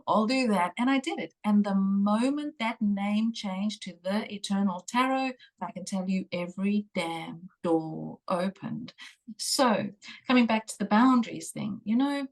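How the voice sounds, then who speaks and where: A woman's voice: mid-range voice, a little slow. Earnest, emphatic middle-aged woman. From South Africa. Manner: earnest and emphatic, mild swearing, lively storytelling. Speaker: guest, intuitive tarot reader. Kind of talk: conversational interview.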